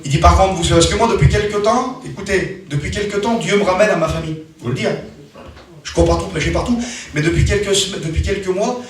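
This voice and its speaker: A man's voice: sits high, fast. A man preaching a sermon as a personal story, emphatic and repetitive, often restarting his sentences. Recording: very echoey hall, mic far off.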